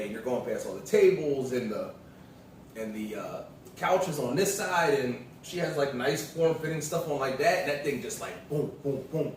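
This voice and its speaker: A man chats casually beside his partner and tells stories in a loose, rambling way with plenty of fillers. His voice sits at an ordinary middle pitch. He is some way from the mic in a very echoey room with faint noise behind him. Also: far from the mic. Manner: relaxed, rambling, many fillers. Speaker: vlogger's partner. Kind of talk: casual storytelling chat.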